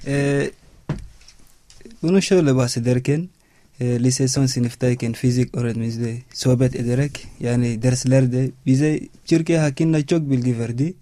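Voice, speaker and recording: A 21-year-old man from Chad with a Chadian accent, answering interview questions in halting, non-native Turkish. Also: mid-range voice, steady tone, dark tone. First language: not Turkish. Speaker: student guest.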